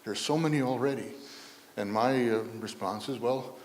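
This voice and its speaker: A man's voice: mid-range voice, normal speed, a little mellow, slight background noise. A man with a Chicago accent giving a short conference talk with dry, wry asides. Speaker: conference speaker. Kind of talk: lightning talk. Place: conference hall. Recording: hall reverb.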